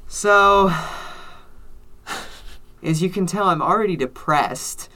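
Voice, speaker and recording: This is a young man from Idaho co-hosting a casual podcast. His voice is bright and forward, and he rambles through explanations with a dry, sarcastic bite. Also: high voice, slow pace, a little hiss or hum. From Idaho, United States. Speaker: podcast co-host.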